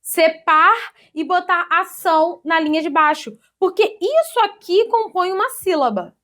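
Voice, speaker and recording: High-voiced Brazilian woman teaching. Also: a little slow. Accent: Brazilian Portuguese. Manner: lively, chatty, addresses students as "gente", ends points with "tá?". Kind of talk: online grammar lesson.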